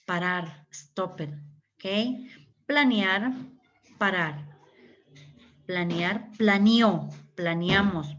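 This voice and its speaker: A woman's voice: mid-range voice, fairly bright tone. A woman from Ecuador teaching English grammar to a class, patiently repeating words and checking that students follow. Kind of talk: online class explanation. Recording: muffled lo-fi audio.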